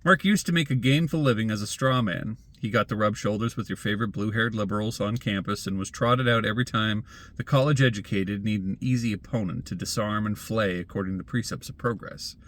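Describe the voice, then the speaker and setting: A man's voice: on the low side, brisk, fairly bright tone. Wry man reading an opinion essay. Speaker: blogger and commentator. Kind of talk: scripted opinion essay read aloud.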